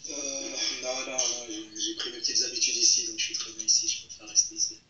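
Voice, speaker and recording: A man's voice: medium pitch, fairly quick, pushed and bright, faint music behind. A man in his thirties from France, a footballer answering interview questions, hesitant and repeating words as he searches for them. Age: 30s. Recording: roomy, distant, dull lo-fi sound.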